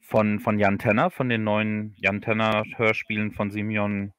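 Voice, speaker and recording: Low-voiced man, halting in conversation. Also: flat delivery, a bit bright, slight background noise. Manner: halting, repeats words while searching for phrasing. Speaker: guest, audio drama author. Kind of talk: casual livestream interview.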